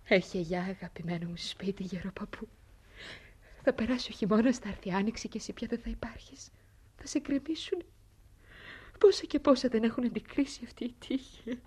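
A woman playing a husky, wistful aristocratic lady. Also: mid-range voice, a little mellow, natural voice. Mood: tender. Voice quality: husky, breathy, often half-whispered. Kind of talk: radio play acting.

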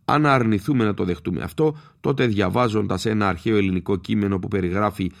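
A man, a linguist, giving a scripted educational talk in a measured, explanatory way, spelling out letters slowly. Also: fairly low pitch, creaky.

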